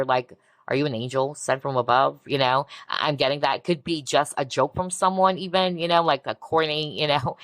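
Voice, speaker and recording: A woman giving a collective tarot reading in a soft, reassuring way, often breaking into amazed exclamations. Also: rumbling low, dry recording. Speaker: tarot reader. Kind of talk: pick-a-card tarot reading.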